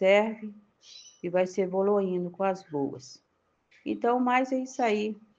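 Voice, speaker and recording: Medium in pitch, a woman's voice carries ordinary pitch variation. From Brazil, Espírito Santo (Alegre). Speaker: follower giving testimony. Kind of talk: recorded testimony. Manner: halting, hesitant.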